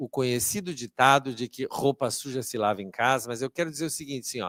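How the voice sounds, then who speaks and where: Here a man at medium pitch speaks at a moderate pace with a plain, everyday voice. The recording is very clean with a silent background and a dry, close sound with no echo. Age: 60s. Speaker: professor. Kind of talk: lecture. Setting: auditorium.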